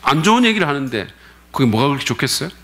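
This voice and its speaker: A man's voice: mid-range voice, sing-song, racing, a bit bright. A male pastor preaching a Sunday sermon in a conversational way, often putting questions to the congregation.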